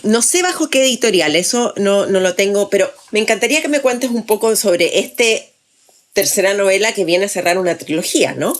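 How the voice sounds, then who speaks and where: A woman's voice: medium pitch, animated, brisk. Woman host asking questions. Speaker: interviewer, host. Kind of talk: interview questions.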